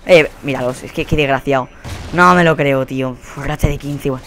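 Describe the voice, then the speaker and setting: A young man with a Spanish accent commentating his own shooter gameplay, swearing a lot and quick to burst into angry shouts. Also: medium pitch, a little hiss or hum. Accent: Spanish from Spain. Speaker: gaming commentator. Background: faint gunfire from the game.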